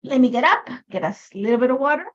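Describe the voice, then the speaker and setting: A woman with an Ecuadorian Spanish accent chats her way through a live crafting stream from home, her voice sitting a little on the high side. Her talk wanders, packed with "like, you know" fillers. The sound is a bit muffled and dull, like a home live stream. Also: animated, racing. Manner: rambling and chatty, full of "like, you know" fillers. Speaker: design team member hosting a live crafting demo. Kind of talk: casual live-stream chat.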